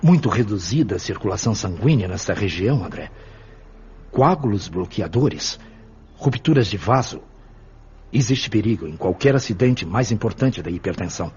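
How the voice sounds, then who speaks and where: An actor playing a benevolent, calm spirit mentor who instructs others in a radio drama, with a Brazilian accent. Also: male voice, fairly low pitch, moderate pace, slightly rough. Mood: grave, clinical. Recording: dull sound, faint background noise.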